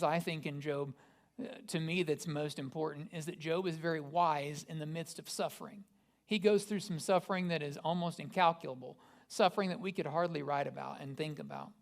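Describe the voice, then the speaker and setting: A man, a pastor, giving a conversational sermon and asking the congregation rhetorical questions. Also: fairly high pitch. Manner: casual, asks the listeners rhetorical questions.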